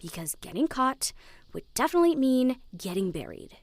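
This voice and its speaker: Heavily acted, with a high voice, big pitch swings and a moderate pace, an actress voices a sweary, intense perfectionist in a sci-fi audio drama, a young woman fiercely protective of her younger sibling. The recording has no room sound. She mutters tensely and self-critically to herself, deeply focused.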